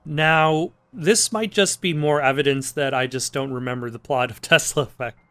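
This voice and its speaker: A man's voice: on the high side, normal speed, fairly bright tone, clear, resonant tone. A man hosting a game playthrough, commenting casually with hesitant, rambling asides. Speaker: let's play host.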